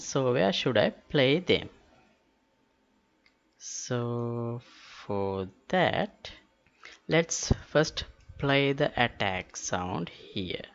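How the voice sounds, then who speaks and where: A man giving an unscripted software tutorial, halting as he thinks aloud. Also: medium pitch, gravelly, highs cut off. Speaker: tutorial host.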